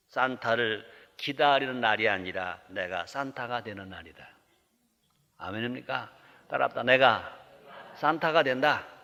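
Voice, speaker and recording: The voice has a bright, sharp tone and ordinary pitch variation, moving at a fairly slow pace with long, frequent pauses and big swings in loudness. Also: man, medium pitch for a man. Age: 60s. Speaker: pastor. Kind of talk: sermon.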